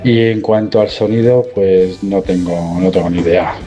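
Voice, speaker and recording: A man's voice: low voice, steady tone, normal speed, warm tone, faint music behind. A man calling a radio show, hesitant and plain-spoken. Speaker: caller. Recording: muffled call.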